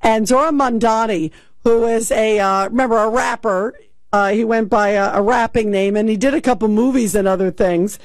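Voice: medium pitch, moderate pace, no echo. A talk radio host commenting emphatically and sounding incredulous, taking calls.

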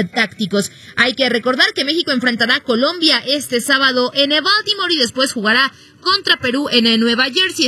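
A woman reading a sports news report, with steady delivery and small hesitations. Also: high-pitched, slightly rough, no echo, far from the mic.

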